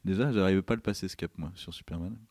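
A film director from Brittany chats as a podcast guest in a casual interview, telling animated anecdotes and acting out the people in them. His voice sits low and he talks rapid-fire. The recording is dry.

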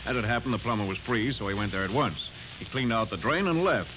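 Stern, earnest male ship's captain played by an actor, expressive mid-pitched voice, vintage radio acting, hissy recording. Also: fast talker, lightly acted. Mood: matter-of-fact.

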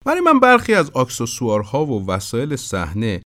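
A man hosting a podcast, narrating production history in an informative, steady way. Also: medium pitch. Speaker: podcast host. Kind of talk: scripted narration about film production.

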